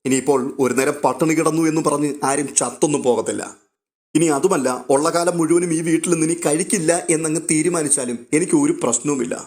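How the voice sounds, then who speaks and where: A man's voice: on the high side, fast talker, darkish tone, lightly acted. A man reading a cold, harsh older aunt. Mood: dismissive. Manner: dismissive, harsh.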